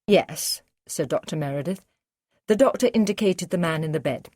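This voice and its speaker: A woman narrating an audiobook in a steady, clear storytelling manner. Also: sits low, brisk, no room sound, studio quality. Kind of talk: scripted narration.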